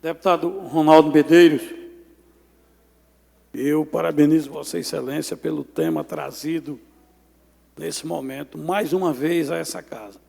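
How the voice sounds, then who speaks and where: A man's voice: fairly high pitch, vocal fry, darkish tone. A man, a state legislator, speaking formally and with indignation on the floor. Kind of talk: parliamentary floor speech. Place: legislative assembly chamber. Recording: long reverb of an assembly chamber.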